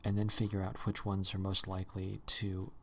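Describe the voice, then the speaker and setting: A man's voice: low-pitched, monotone, normal speed, vocal fry, a bit bright, a little hiss or hum. A man hosting a livestream in casual chat, rambling and casually profane. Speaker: livestream host.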